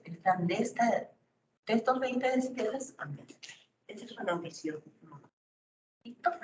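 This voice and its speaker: A woman giving a university lecture, explaining step by step and often checking in with rhetorical questions. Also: medium pitch. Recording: distant, roomy, dull lo-fi recording with faint noise.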